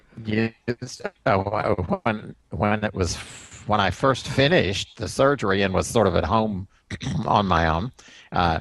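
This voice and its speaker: A man's fairly low voice, fairly slow, with ordinary pitch variation and a Southern US accent. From US South, East Tennessee and Atlanta. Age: 70s. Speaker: personal training client. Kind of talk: casual interview. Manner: halting, many fillers.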